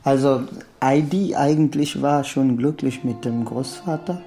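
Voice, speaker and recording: A man retells a story haltingly. His voice is mellow and dark, with faint music underneath. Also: mid-range voice. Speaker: participant retelling a film story.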